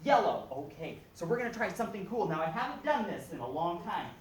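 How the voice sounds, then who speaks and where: A woman's voice: fairly low pitch, big pitch swings, fast talker, far from the mic, a little hiss or hum. A woman performing as a kids party magician, coaxing her young audience along with questions, instructions and countdowns. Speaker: magician hosting a children's show. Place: large indoor room at a public library. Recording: echoey large room from afar, loud crowd. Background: loud crowd of children and adults.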